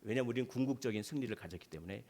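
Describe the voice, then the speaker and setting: A man's voice: mid-range voice, rapid-fire, dark tone. A male pastor preaching a sermon in a conversational way, asking rhetorical questions and acting out short dialogues.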